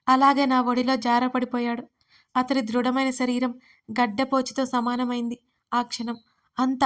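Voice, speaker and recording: Young female storyteller, high pitch, flat delivery, emotional first-person audio story. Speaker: writer and narrator. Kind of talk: storytelling narration.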